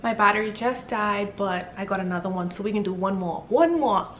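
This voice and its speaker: A young woman from the Bahamas, chatting with strangers in a casual, bubbly, flattering way. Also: medium pitch, a little fast. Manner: bubbly, flattering, laughs often. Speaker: vlogger. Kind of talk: casual video chat with strangers. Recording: echoey room, faint noise.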